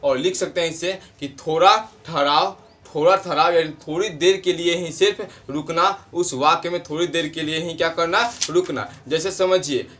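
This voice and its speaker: A man with a rather high voice gives a grammar lesson. He talks in a classroom style, slowing down to repeat short example phrases for his students. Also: fairly bright tone. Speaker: teacher. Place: home in a village, wedding noise nearby.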